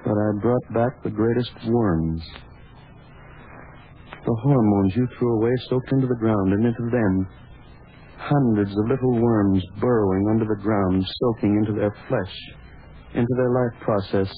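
A man's voice: on the low side, normal speed, close to an everyday voice. An actor playing a brusque man who turns anguished and breathless with horror and grief, in 1940s radio acting. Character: gruff, impatient man driven to horror and grief. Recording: scratchy tinny old radio broadcast.

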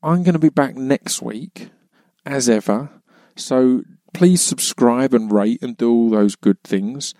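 A man's voice: medium pitch, slow pace, mellow, no echo, clean studio sound. A British man hosting a podcast, chatting casually in a rambling, self-deprecating way. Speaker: podcast host. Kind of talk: casual chat.

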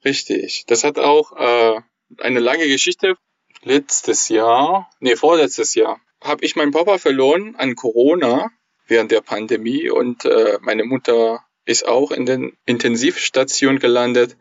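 A man's voice: mid-range voice, unhurried, no echo. Man, hesitant, dull remote audio. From Iran. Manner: hesitant, searching for words with many fillers. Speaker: guest. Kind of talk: casual interview conversation.

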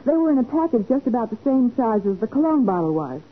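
An actress playing an earnest, plucky detective's assistant, speaking emphatically in 1940s radio drama style. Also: female voice, on the high side, sing-song, fast talker. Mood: puzzled. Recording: muffled, faintly noisy 1940s radio recording.

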